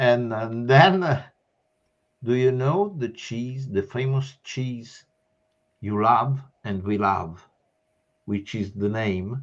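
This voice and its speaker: Speaking very slowly with an Italian accent, a man at a medium pitch leaves long, frequent pauses. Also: ordinary pitch variation, quiet background. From southeast Italy. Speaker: energy engineering executive. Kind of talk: interview. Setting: video call. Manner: halting.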